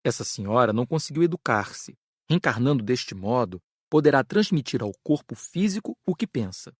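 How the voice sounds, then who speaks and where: A man's voice: medium pitch, sing-song, moderate pace, husky, no room sound, studio quality. A man playing a wise, patient spirit mentor in an audiobook, explaining things in a didactic, frank way. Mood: patient, instructive. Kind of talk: dramatized audiobook dialogue.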